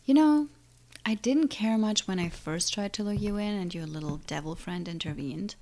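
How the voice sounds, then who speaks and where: A woman's voice: mid-range voice, normal speed, darkish tone, slight background noise, natural voice. A woman playing an ancient, menacing siren in an audio drama, taunting and condescending with a theatrical drawl. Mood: smug, taunting. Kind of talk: audio drama villain acting.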